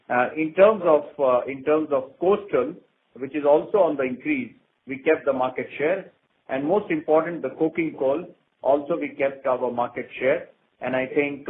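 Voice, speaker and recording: Indian male executive on a phone line. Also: on the high side. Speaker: company executive answering investor questions. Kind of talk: earnings call answer, unscripted business talk. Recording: narrow, noisy conference phone line.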